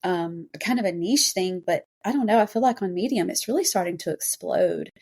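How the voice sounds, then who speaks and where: A woman's voice: on the low side, a little fast, a little mellow, husky. A woman hosting a casual interview podcast about writing, speaking in an encouraging, affirming way. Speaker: podcast host interviewing a writer.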